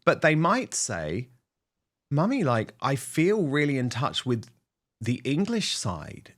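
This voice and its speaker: A middle-aged man hosts an opinion talk show with lots of emphasis. His pitch moves widely up and down as he argues his points. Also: slow pace. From New Zealand. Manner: animated, emphatic. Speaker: host.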